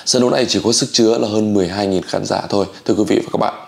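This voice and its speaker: A man in his forties hosting sports news commentary to camera, with hesitant pauses. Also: lowish voice, fairly even intonation, gravelly. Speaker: host. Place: small indoor room.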